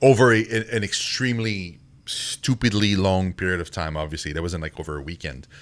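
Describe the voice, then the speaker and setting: The recording is very clean, with a silent background. A man talks with lively intonation. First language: French. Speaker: gaming streamer. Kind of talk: casual chat. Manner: halting with many repeated words.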